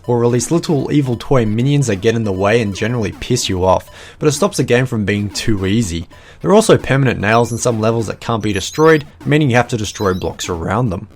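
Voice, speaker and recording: A man narrating a scripted retro video game review, with wry, self-deprecating jokes between points. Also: lowish voice.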